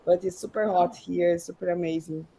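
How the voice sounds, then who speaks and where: Seorang wanita dari Brasil berbicara santai sebagai panelis lewat panggilan video, sering memakai kata "like". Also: female voice, lowish voice, steady tone, normal speed, creaky, mellow, slight background noise, low-quality recording. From Brazil. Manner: chatty, lots of "like". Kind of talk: casual chat.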